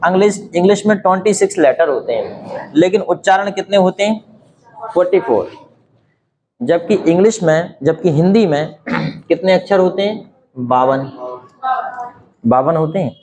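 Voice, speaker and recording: A man whose first language is Hindi, teaching a spoken English lesson and explaining slowly with many rhetorical questions. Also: sits high, lively intonation, a little mellow.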